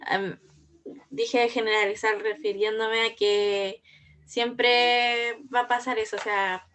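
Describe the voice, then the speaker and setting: A woman's voice: fairly high pitch, flat delivery, slow, a bit bright. Female student answering the prof, unsure, lots of um and like. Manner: hesitant, fillers. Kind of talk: class discussion.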